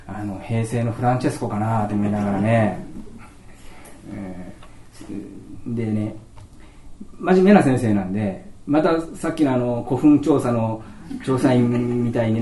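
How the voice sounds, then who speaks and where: A man's voice: medium pitch, normal speed, dark tone. A man in his fifties with a Kansai accent, a kindergarten principal telling anecdotes in a chatty way. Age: 50s. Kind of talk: storytelling speech. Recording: roomy, distant mic, faint ambience.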